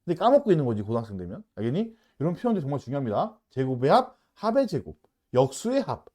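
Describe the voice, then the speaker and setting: A man's voice: medium pitch, very animated, fast talker, a little mellow. A man teaching a math lesson, often checking in with his students and moving between polite and casual speech. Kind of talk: lecturing at a whiteboard.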